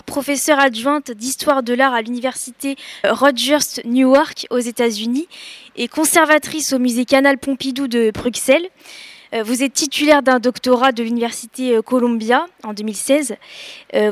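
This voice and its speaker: A woman's voice: sits high, dry recording. A woman hosting a radio show, reading a scripted introduction and then asking her guest careful, slightly hesitant questions. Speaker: radio host.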